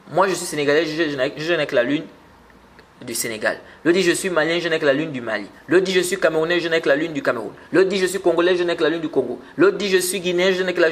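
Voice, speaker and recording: Man teaching. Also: fairly high pitch. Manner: explanatory, repeats words and restarts, rises when emphasizing. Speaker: Islamic teacher. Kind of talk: religious lesson.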